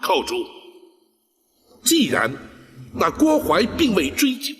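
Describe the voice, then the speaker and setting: An actor playing a stern imperial judge in a period drama, stately, deliberate and authoritative. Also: male voice, sits high, huge pitch swings, a bit bright, a little hiss or hum, heavily acted. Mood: stern questioning. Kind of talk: theatrical Chinese period drama acting. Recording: reverberant hall.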